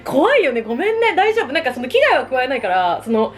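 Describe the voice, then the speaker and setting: Animated, fast-talking woman chatting over a meal. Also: sits high, soft background music. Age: 30s. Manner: self-deprecating, giggly, acts out imagined remarks. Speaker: solo vlogger. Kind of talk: casual confessional chat, reacting to relatable dating woes.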